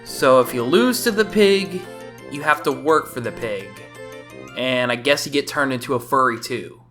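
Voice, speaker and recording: A woman's voice: extremely low pitch, expressive, normal speed. A woman giving casual, sarcastic reaction commentary as a video game reviewer, often exclamatory. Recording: voice-over with faint game music.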